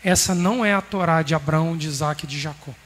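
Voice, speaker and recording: A man preaching a sermon to a congregation in a measured, emphatic way with pauses. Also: on the high side, fairly bright tone. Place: congregation hall. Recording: roomy hall reverb, faint background noise.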